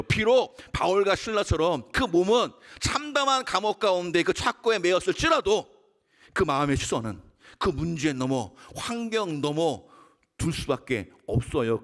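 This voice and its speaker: A middle-aged male pastor preaching with a lively, swooping delivery, his voice sitting a little high for a man. He throws out rhetorical questions and pokes fun at himself, sometimes climbing into shouts. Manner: self-deprecating humor. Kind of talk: dawn service sermon.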